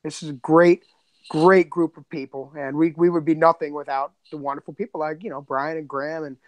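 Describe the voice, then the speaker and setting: A man's voice: fairly high pitch, steady tone, fairly quick, no room sound, rough recording. A man chatting casually as a podcast co-creator, rambling and repeating his phrases as he goes. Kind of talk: casual chat.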